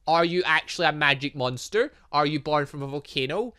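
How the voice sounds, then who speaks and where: A man's voice: a little high, fairly quick, sharp tone, smooth. A man hosting a game playthrough, reading dialogue aloud and commenting in a theatrical, exclamatory way. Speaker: gaming video host.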